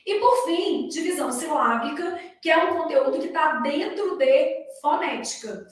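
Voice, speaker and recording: A woman's voice: high-pitched, lively intonation, a little slow. A woman with a Brazilian accent who teaches grammar to exam candidates. She explains in a didactic way and keeps asking her class rhetorical questions. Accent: Brazilian Portuguese. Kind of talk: recorded lecture for exam candidates. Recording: echoey room, voice far from the mic.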